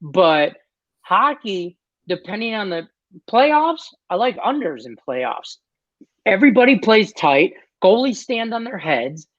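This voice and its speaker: A man co-hosts a late-night sports betting podcast in a blunt, wisecracking way. His voice comes through a dull, dry mic with little room sound and muted highs. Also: sing-song, unhurried, dry recording. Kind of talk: casual betting talk.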